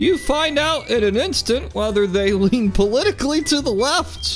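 Someone does a put-on character voice while clear music plays in the background. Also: man. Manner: playful cow voice.

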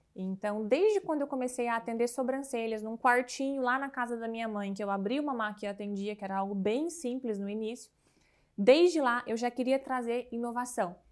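This woman has a high-pitched voice. She talks at a fairly quick pace over a quiet background. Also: ordinary pitch variation. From Minas Gerais, Brazil (small interior town). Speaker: beauty entrepreneur and cosmetologist; interview guest. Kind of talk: interview. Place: studio. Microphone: lapel.

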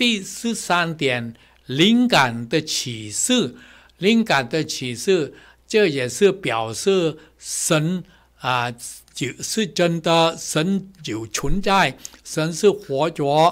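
A man talks very slowly, his pitch swinging very widely, with a quiet background behind him. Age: 70s. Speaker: church elder; preacher. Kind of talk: sermon. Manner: halting, many fillers. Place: studio. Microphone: podium.

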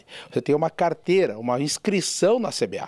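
Lively intonation marks a man speaking at a moderate pace, in a dry sound with no echo and a quiet background. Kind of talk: interview answer. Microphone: handheld.

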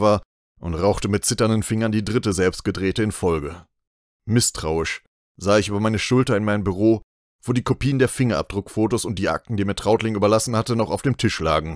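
On a very clean recording with a silent background and dry, close sound with no echo, a man speaks fairly quickly in a normal speaking voice with ordinary pitch variation. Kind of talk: noir detective narration, read aloud as a first-person audiobook story.

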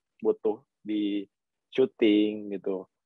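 A quiet background and a dry sound with no echo. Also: man. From West Sumatra, Indonesia; Indonesia. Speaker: professional basketball player; guest. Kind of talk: interview. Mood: relaxed, smiling. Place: home room. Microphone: video call.

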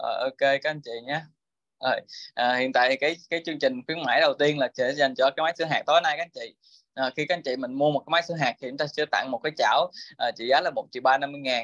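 Over a quiet background, a man talks at a very fast pace. His pitch is fairly high and his intonation fairly even. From southern Vietnam. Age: 20s. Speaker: online seller training host. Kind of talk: sales pitch. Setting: Zoom video call. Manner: filler-heavy, promotional. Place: home room. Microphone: webcam.

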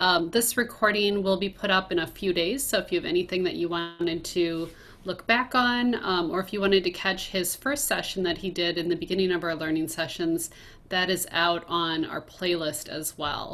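At a moderate pace, a woman speaks in a fairly low voice with ordinary pitch variation. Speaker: webinar moderator. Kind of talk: webinar introduction and wrap-up. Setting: online webinar. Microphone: webcam.

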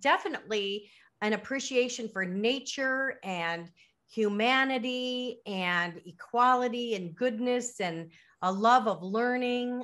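In an American accent, the speaker talks at a fairly slow pace with lively intonation and a bright, sharp tone against a quiet background. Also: woman. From US Midwest, Chicago suburbs. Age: 50s. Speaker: author and educator. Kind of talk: interview. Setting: remote call. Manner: halting. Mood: warm, reflective. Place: home room. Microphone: video call.

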